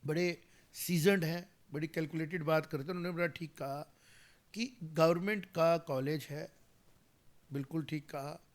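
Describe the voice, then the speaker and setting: A high-pitched man in a political interview. He argues emphatically and drops English phrases into his talk. His voice climbs and turns heated as he presses his points. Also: fairly even intonation, moderate pace. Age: 40s. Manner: emphatic, rising to heated argument; mixes English phrases into speech. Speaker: guest commentator.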